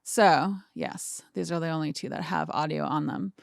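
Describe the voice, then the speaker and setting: A woman's voice: sits low, moderate pace, creaky, no echo. A woman in her thirties hosting a casual music mixing tutorial, thinking aloud informally as she demonstrates, recorded close in a small studio. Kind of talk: casual screen-share tutorial talk.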